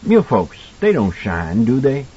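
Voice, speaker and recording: Audiobook role: kindly older male cook, played by a man. Husky, very animated, folksy, earnest and protective. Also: medium pitch, measured pace, highs cut off, pitched above the performer's own voice, exaggerated voice. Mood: gentle, reassuring. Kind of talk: audiobook character dialogue.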